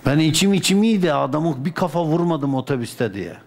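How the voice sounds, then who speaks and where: A man from Turkey, a dervish, telling a personal anecdote in a colloquial, lively way with folk sayings. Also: fairly high pitch, brisk, slight background noise. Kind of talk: casual spoken anecdote.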